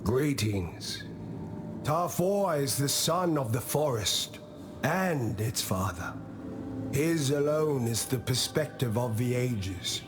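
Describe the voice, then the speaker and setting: An old tribal diplomat from a fantasy video game. He speaks very slowly at a medium male pitch, weighing his thoughts like a patient, philosophical teacher with a gently stern side. Music plays clearly behind the voice. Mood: serene, solemn. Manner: measured, solemn, philosophical storytelling. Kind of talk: scripted video game character monologue.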